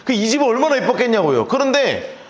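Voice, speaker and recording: A male pastor preaching a sermon, telling the story in an animated way and acting out the characters. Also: extremely high pitch, fast talker.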